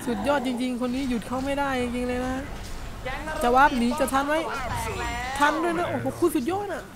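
A man with a high voice giving excited, casual play-by-play commentary over a video game, full of exclamations. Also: a little fast, over loud music. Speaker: gameplay commentator.

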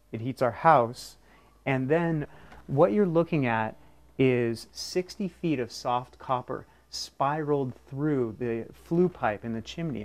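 On a casual explanatory tour of his small farm, in and out of doors, a man in his forties from the United States goes step by step through his handmade off-grid setup. This farmer and craftsman sounds earnest and practical, with a medium-pitched voice that's a little mellow.

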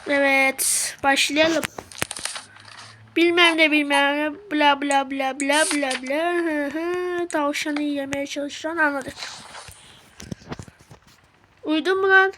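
Very high, bright-voiced jumpy woman gamer. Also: steady tone, slow, a little hiss or hum. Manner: jumpy, swears and shrieks when startled; mutters prayers under breath when scared. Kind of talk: horror game let's play commentary.

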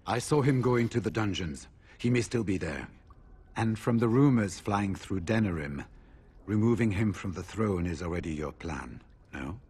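A solemn, courteous warrior voiced by a man speaks in a somewhat low voice. He is earnest and measured, a loyal soldier in a fantasy video game. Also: expressive, darkish tone, lightly acted. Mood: urgent.

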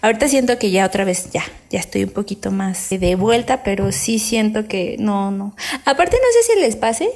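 A woman with a Mexican accent co-hosting a podcast in casual chat, chatty and reflective and quick to laugh. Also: medium pitch, animated, a little mellow. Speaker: podcast co-host.

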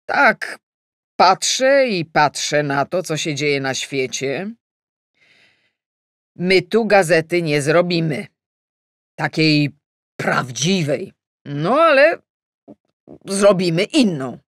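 A woman voicing a male editor-in-chief in an audiobook, an earnest, self-important boss who speaks in a measured, halting, persuasive way. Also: low-pitched, sing-song, no echo, clean studio sound, exaggerated voice. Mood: weighty, hesitant.

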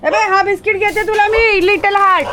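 A woman's voice: very high-pitched, fairly even intonation, a little fast, background noise. A woman, talking to her pet dog outdoors in a coaxing, repetitive, sing-song way. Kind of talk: casual coaxing talk to a dog.

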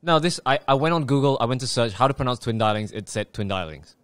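A man talking fast, with lively shifts in pitch, who runs a quiz and corrects the others matter-of-factly in a casual podcast chat. The sound is close and dry. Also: clear, resonant tone, no room sound.

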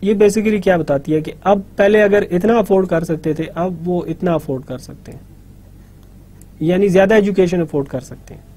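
Mellow South Asian male lecturer. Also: sits high, rapid-fire. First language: Urdu. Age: middle-aged. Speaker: university lecturer. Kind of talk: lecture explaining a diagram while drawing. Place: studio, indoors.

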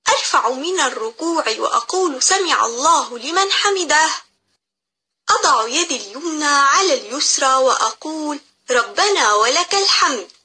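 High, bright-voiced woman narrating a lesson. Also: expressive. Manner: measured, clear step-by-step reciting. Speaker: teacher narrator. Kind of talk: scripted instructional narration for young children.

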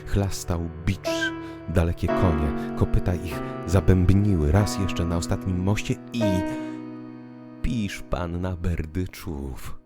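A man narrating a literary audio drama in a theatrical, expressive way. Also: deep voice, slow. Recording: music bed under the voice. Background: piano and musical accompaniment.

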